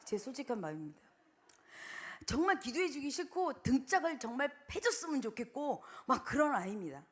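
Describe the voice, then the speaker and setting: Animated woman preaching a sermon. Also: high-pitched, brisk. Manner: animated storytelling, acts out quotes. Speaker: missionary preacher.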